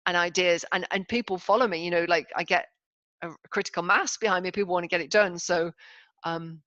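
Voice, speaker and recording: A woman's voice: lowish voice, steady tone, a little fast, bright, forceful tone, no room sound, dull audio. A woman speaking as a podcast guest, candid, emphatic and self-deprecating in casual conversation. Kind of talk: candid casual interview talk.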